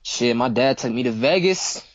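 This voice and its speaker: A man's voice: medium pitch, lively intonation, moderate pace, highs cut off. A man in his twenties from Cleveland, chatting casually as a guest in slangy, repeating speech. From Cleveland, Ohio. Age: 20s. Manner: laid-back, slangy, repeats himself. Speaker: guest rapper. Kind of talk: casual interview chat.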